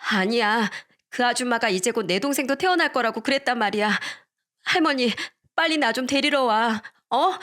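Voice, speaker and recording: A distressed little girl in a storybook tale, childlike and pleading, voiced by a woman narrator. The voice is lifted above the narrator's usual pitch. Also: normal speed, a bit bright, close to an everyday voice. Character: upset young girl pleading with grandma.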